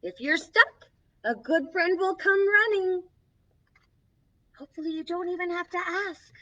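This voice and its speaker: High, bright Snow White, played by a woman. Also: measured pace, heavily acted. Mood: gentle, cheerful. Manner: sing-song, simple reassuring talk to young children. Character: Snow White, sweet young princess, gentle and encouraging. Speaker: children's story time host. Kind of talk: children's storytelling, reading a picture book aloud. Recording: distant mic, slightly dull lo-fi sound.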